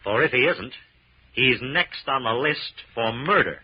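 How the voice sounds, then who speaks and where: An actor playing a cool, confident male sleuth in a 1940s-style radio mystery, smooth and unflappable as he probes. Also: medium pitch, expressive, measured pace. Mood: measured, deducing. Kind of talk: 1940s radio detective drama acting. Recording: dull, noisy old radio recording.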